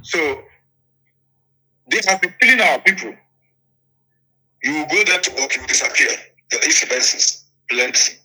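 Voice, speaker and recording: A man's voice: on the high side, animated, a little slow, pauses often, bright, forceful tone, poor audio. A man with a Nigerian accent telling his account in an interview, emphatic, repeating phrases and checking that his listener follows. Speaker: interviewee, politician. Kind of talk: interview storytelling.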